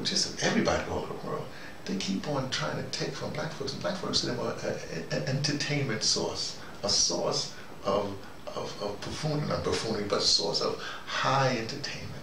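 A man's voice: medium pitch, gravelly. An older American man giving a rambling, conversational monologue in a wry, musing, self-questioning manner. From United States. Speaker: host. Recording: echoey room, noisy, distant mic.

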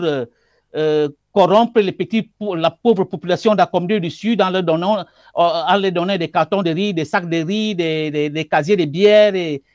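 A middle-aged man, speaking as a guest over a video call with emphatic, halting, repetitive phrasing. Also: high voice, a little mellow, dry recording, studio quality. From Cameroon. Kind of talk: passionate political commentary. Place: indoor room with wood wall. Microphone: earphone headset on video call.

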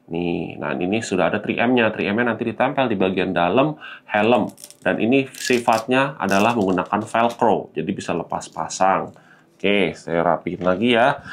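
A man hosting a casual gadget unboxing, explaining things conversationally to viewers and mixing in English terms. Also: on the low side. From Indonesia. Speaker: gadget reviewer and vlog host. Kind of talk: casual product unboxing commentary.

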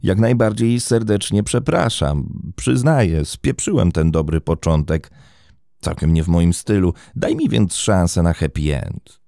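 A man reading the lines of a flattering fifty-five-year-old suitor, ingratiating and smooth. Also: sits low, unhurried, dry recording, clean studio sound, exaggerated voice. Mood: apologetic.

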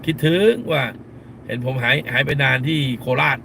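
A man's voice: mid-range voice, steady tone, moderate pace, gravelly, bright, forceful tone, slight background noise. A middle-aged man, a lawyer hosting a live stream, talks bluntly in casual commentary and scolds with crude slang, repeating phrases for emphasis.

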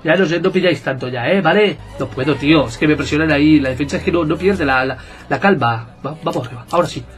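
A man with a Spain Spanish accent, giving excitable, jokey gameplay commentary and bantering with his viewers. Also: fairly high pitch, quick pace, soft background music. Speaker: gaming YouTuber.

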